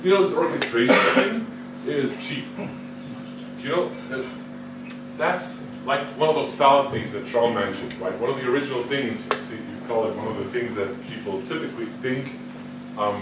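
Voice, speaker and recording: A man gives a conference talk from a distance, his voice ringing around a large echoey hall. He talks in a questioning, lively way and keeps restarting his sentences. Heavy noise sits under the recording. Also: medium pitch, normal speed. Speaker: conference speaker. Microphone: no microphone, distant recording.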